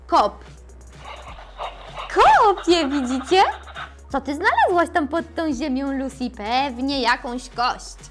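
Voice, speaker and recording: A woman's voice: fairly high pitch, a bit bright. Bubbly woman showing off a toy puppy. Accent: Polish. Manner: sweet, coaxing tone, giving commands to a toy puppy. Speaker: toy demonstrator. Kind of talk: toy demonstration for children.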